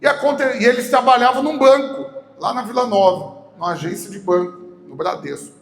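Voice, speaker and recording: A high-pitched Brazilian man with a Goiás accent preaches in a big church hall, his voice ringing with a long reverb. He tells the story with animated acted dialogue, dropping to a hush and then rising loud, with faint noise underneath. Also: normal speed. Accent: Goiás Brazilian Portuguese. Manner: animated storyteller acting out quoted dialogue, swinging between hushed and loud. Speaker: pastor. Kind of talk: sermon storytelling.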